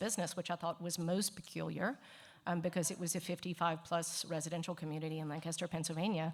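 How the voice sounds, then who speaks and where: A woman speaks very fast in a flat, monotone delivery with a New Orleans accent, her pitch fairly low. The recording is very clean, with a silent background. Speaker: marketing executive. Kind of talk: presentation. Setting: forum with live audience and livestream.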